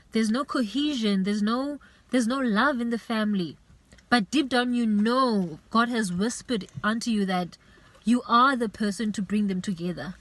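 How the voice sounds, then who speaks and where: A woman with a fairly high voice gives a faith-based motivational vlog talk. She pleads earnestly, circling back and repeating her points. The sound is close and dry, with no room around it. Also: no room sound. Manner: earnest, urging and repetitive, with many restarts and "you know". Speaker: vlogger.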